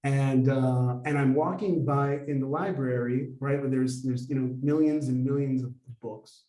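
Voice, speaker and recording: A man in his forties, raised in America, telling a lively personal story to an audience as a Kabbalah teacher, acting out the dialogue as he goes. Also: medium pitch, a little slow, far from the mic. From United States. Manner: animated, acts out dialogue, many fillers. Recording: echoey room, voice from afar.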